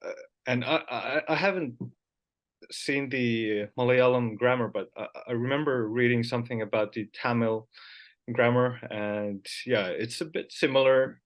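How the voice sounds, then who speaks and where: A man's voice: medium pitch, normal speed, highs cut off. A man whose first language is Finnish, hosting a podcast and asking thoughtful questions with hesitations. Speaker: podcast host. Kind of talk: casual interview.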